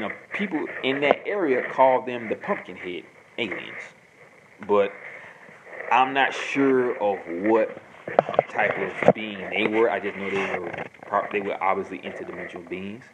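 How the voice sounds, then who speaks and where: A man talking casually and rambling in a monologue, restarting sentences and filling pauses. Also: on the low side. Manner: rambling, repeats himself, many fillers. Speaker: host answering viewer questions. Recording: noisy home recording.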